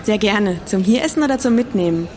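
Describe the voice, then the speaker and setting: A woman's voice: medium pitch, expressive, a little fast, a little mellow, close to an everyday voice. An actress playing a friendly, courteous saleswoman in a bakery café, in an audio drama. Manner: courteous, obliging. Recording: café chatter behind the voice.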